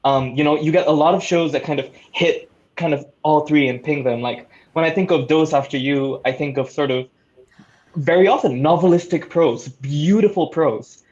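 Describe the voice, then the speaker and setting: The audio is a bit muffled, and the voice is a man's, pitched somewhat high. He speaks casually as a panelist, with eager, encouraging energy. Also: moderate pace. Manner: excited, encouraging. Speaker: audio drama creator and panelist.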